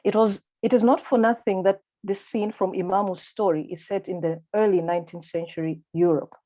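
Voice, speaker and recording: A woman with a Malawian accent reading a prepared academic paper at a conference in a measured, formal and deliberate way over a video call. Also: medium pitch, fairly even intonation, warm tone. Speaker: conference speaker.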